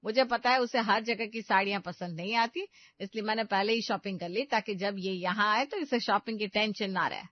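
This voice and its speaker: A woman voicing a sharp-tongued, stingy older mother-in-law who scolds and bosses, in a dry, dull recording. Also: medium pitch, brisk, dry recording, close to an everyday voice. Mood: scolding. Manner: scolding, bossy.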